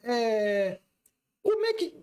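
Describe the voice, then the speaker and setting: A man with a notably high voice hosts a relaxed interview, teasing and joking as he questions his guest. His delivery is lively and informal. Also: slow, clean tone. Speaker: podcast host. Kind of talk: casual interview chat.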